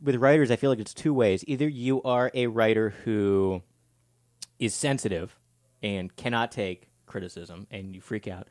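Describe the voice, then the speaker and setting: A man in his forties hosts a relaxed podcast chat, rambling through anecdotes with self-mocking humor. His voice sits at an ordinary middle pitch. It is recorded close and dry, with no room sound. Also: no room sound. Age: 40s. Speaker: podcast host. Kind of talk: casual chat.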